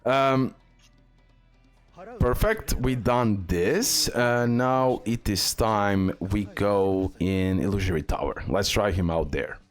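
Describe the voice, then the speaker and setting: Low-voiced man commentating gameplay. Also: animated, takes it slowly, soft background music. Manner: repeats words and phrases. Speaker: gaming video creator.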